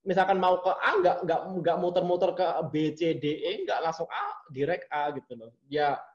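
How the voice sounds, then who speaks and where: As a guest on an interview, this man speaks at a normal pace in a fairly high voice. His casual storytelling is lively, and he plays the characters he describes, doing voices for the bosses he quotes. The sound is muffled and lo-fi.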